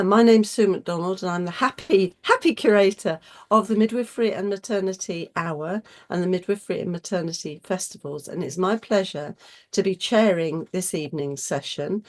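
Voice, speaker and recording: A woman hosts an informal online session with a husky, slightly cold-worn voice. She is chatty and effusive as she welcomes and introduces people, at an ordinary middling pitch. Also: darkish tone. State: getting over a cold. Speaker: host chairing an online webinar.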